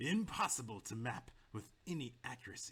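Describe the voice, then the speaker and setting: A gruff, put-on character voice from a man, medium in pitch, at a moderate pace. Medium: actual play. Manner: gruff, archaic speech.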